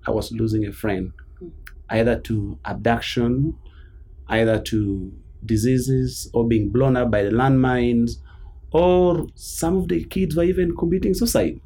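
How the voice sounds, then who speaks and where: A man's voice: medium pitch, vocal fry, dark tone, slightly rough. A man from northern Uganda, answering interview questions in an earnest, emphatic storytelling way. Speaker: guest, peace activist.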